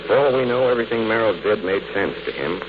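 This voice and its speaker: A muffled old radio drama recording with clear hiss. A man acts a deep, composed gentleman sleuth, measured, reflective and a little wry. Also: animated, lightly acted. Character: suave, calm male crime-fighting gentleman sleuth. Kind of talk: 1940s radio drama acting.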